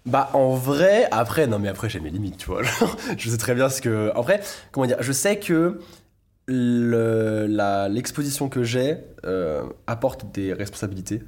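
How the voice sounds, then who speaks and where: Young man in his 20s, casual interview guest; hesitant, restarts a lot, mid-pitched voice. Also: animated, moderate pace, a little mellow. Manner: hesitant, many fillers and restarts. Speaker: YouTuber guest.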